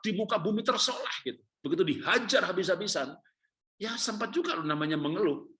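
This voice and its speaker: Bright, animated middle-aged male pastor. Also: medium pitch. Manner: animated, humorous storytelling that drops to quiet, heavy passages. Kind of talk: sermon with personal testimony.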